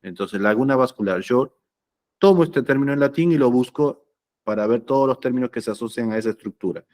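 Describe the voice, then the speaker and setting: A man's voice: mid-range voice, a little fast, a little mellow. A man giving an anatomy lecture, conversational and often checking that students follow. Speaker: anatomy teacher. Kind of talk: lecture explaining slides.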